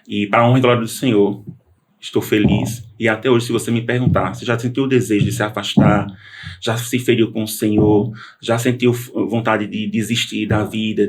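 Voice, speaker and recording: A low-pitched man with a gravelly edge tells his testimony as a podcast guest. He talks earnestly, stopping and restarting his sentences as he goes. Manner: earnest storytelling with many restarts. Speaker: interview guest.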